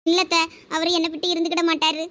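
A woman's voice: extremely high pitch, flat delivery, quick pace, a bit bright, lo-fi sound. A woman voicing an anxious, tearful young daughter-in-law in a village family skit. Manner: pleading, tearful.

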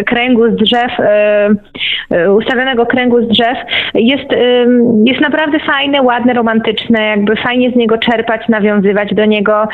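A woman speaking as an interview guest, explaining things conversationally over a tinny line. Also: a little high. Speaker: interview guest, writer and lecturer.

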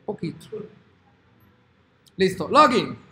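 A man's voice: high-pitched, sing-song, slow, gravelly, sharp tone. A man teaching a programming lesson, chatting and thinking aloud as he works through code on screen. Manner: chatty, thinks aloud, hums "ta ta ta" while waiting. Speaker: programming instructor. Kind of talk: screen-recorded coding lesson.

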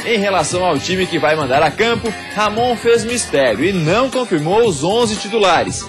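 Male sports reporter, high voice, voice-over with clear music underneath. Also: lively intonation, normal speed. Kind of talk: scripted news narration.

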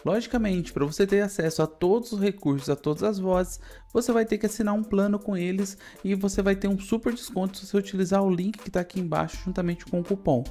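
Mellow Brazilian man presenting tutorial. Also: high voice, fast talker, faint music behind. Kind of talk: casual software tutorial. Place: studio indoors. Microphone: USB microphone.

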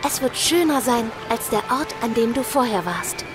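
A woman plays a cheeky, loyal girl with a high, youthful pitch. She is plucky in this audio drama. Music is clearly heard behind her. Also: animated, normal speed, lightly acted.

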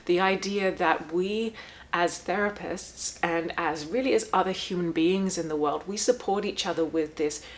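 A woman's voice: lowish voice, normal speed. A woman who works as a therapist, talking candidly at home in a rambling, reflective way with sarcastic asides. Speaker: therapist and channel host. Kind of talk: casual reflective monologue. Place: home room.

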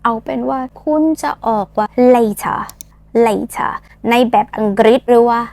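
A woman from Thailand, speaking, teaches English phrases in a playful, teasing way and drills slow, drawn-out pronunciation. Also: fairly high pitch, steady tone, creaky, a little mellow, slight background noise. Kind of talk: lesson with repeat-after-me drills.

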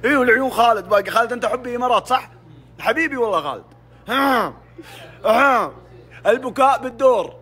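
A man's voice: extremely high pitch, expressive, quick pace, bright, forceful tone, slightly rough. A man hosting a casual social media video, teasing his friends in a playful, mock-consoling way.

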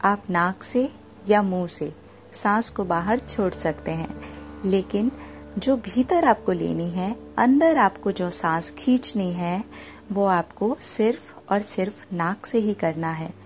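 Slow-spoken woman guiding meditation over music. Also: mid-range voice. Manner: soothing, deliberate, repetitive instruction. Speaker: meditation guide. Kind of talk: guided meditation narration. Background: background music.

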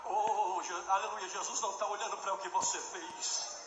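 Man, pastor, fervent sermon, very high voice, echoey church. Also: steady tone, moderate pace, background noise. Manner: fervent, swells into shouting. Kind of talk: impassioned sermon. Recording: echoey hall with music.

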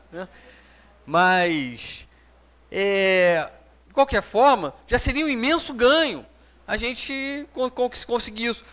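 A man's voice: sits high, fairly bright tone. A middle-aged Brazilian man giving a conversational spiritist lecture, standing and gesturing, often tagging lines with "né?", in a small hall picked up by a room mic. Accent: Brazilian Portuguese. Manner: standing and gesturing while speaking. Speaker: speaker giving a public talk.

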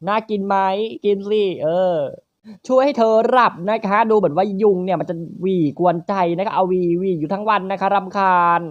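A gaming host talks through a puzzle game with crude, teasing jokes and quick banter. The voice sits in an ordinary middle register. It is recorded close and dry on a slightly muffled home mic. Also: no echo. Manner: crude, teasing, rapid banter with frequent high laughs. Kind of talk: playful let's-play commentary.

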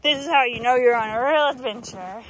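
A young adult woman chatting casually to camera as a solo hiking vlogger, somewhat out of breath, musing in short halting phrases. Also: on the high side, fairly bright tone, slight background noise, low-quality recording. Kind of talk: casual vlog chat to camera while hiking. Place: outdoors on a snowy mountain trail. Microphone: handheld phone at arm's length.

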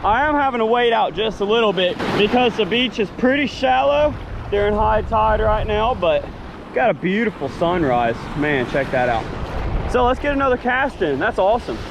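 A man hosting a fishing vlog, chatting casually and excitedly while casting and fighting fish from the surf. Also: sits high, normal speed, vocal fry. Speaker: fishing channel host. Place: sandy ocean beach outdoors at sunrise. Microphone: chest-mounted action camera. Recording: outdoor action cam with surf noise. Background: surf and waves.

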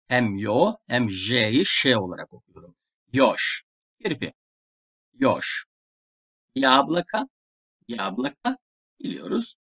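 A man teaching an online language lesson, drilling sounds slowly and repeating them with care. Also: mid-range voice, fairly bright tone. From Turkey.

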